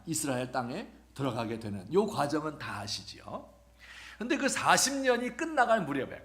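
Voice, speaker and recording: A man preaching a sermon as pastor, telling a story with questions to the congregation and funny asides, dropping at times to a hushed near-whisper. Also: on the high side. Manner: acts out quoted voices, drops to a hushed near-whisper at times; humorous asides about married life.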